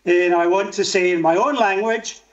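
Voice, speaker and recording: An older man from Scotland with a Highland accent, giving a keynote by video call and asking the audience questions. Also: normal speed, echoey room. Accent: Scottish Highland. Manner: interactive, asks the audience questions. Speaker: keynote speaker. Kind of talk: conference keynote over video link. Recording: dull lo-fi video call audio.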